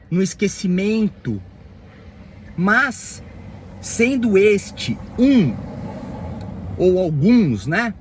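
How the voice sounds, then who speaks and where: A man with a Brazilian Portuguese accent, a therapist, speaking a reflective personal monologue in halting, phrase-by-phrase bursts with frequent tag questions. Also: high voice, a little hiss or hum.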